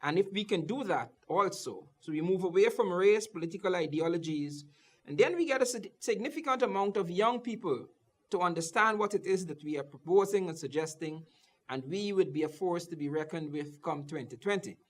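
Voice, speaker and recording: This is a jovial male host with a fairly high voice, interviewing a guest on a political talk show. He teases his guest and keeps the talk going with a stream of quick affirmations. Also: animated. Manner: jovial, joking, repeats "okay" and "wow".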